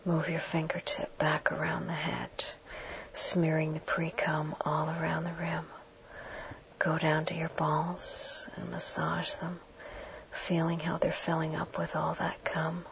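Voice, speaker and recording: A woman performs a whispered role-play, intimate and hushed, as if right in the listener's ear, instructing the listener directly. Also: deep voice, monotone, unhurried. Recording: dull muffled audio with clear background noise.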